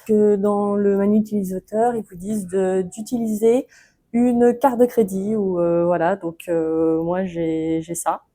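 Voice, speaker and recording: A woman's voice: medium pitch, measured pace, poor audio. A woman with a French accent, chatting casually through a book-crafting tutorial with frequent hesitations. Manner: relaxed, chatty, many hesitations.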